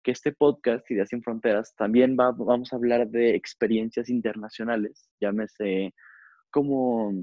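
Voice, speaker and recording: A man's voice: mid-range voice, fairly even intonation, unhurried, no echo. A young man with a Mexican accent, hosting a podcast in a casual, rambling way with lots of fillers. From Zacatecas, Mexico. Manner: chatty, rambling with many fillers. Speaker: podcast host. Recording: dull, lo-fi.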